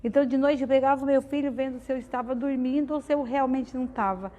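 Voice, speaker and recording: A woman's voice: high-pitched, fairly even intonation, fast talker, mellow. A middle-aged woman giving a heartfelt personal testimony to an audience, talking conversationally with frequent fillers. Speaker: guest speaker at a spiritist study center.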